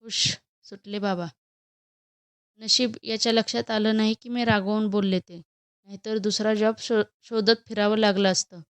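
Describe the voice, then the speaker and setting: A woman's voice: medium pitch, level tone, a little slow, clean tone, dry recording, close to an everyday voice. A woman voicing a nervous, flustered young female employee in a storybook, speaking hesitantly and stammering.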